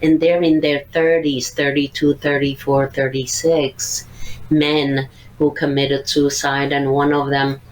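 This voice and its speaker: A woman's voice: deep voice, little pitch movement, unhurried, slight background noise, low-quality recording. An older woman psychotherapist, earnestly explaining kinds of trauma step by step in a podcast interview. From Syria. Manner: earnest, explanatory, lists points methodically. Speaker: psychotherapist guest.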